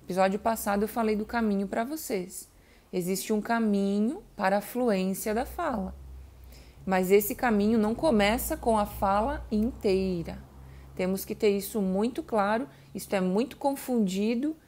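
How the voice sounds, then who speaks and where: A woman's voice: mid-range voice, moderate pace, darkish tone. Woman explaining speech to parents. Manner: explanatory, addresses listeners as "gente", demonstrates baby syllables. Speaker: child speech educator. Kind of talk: educational talk to parents.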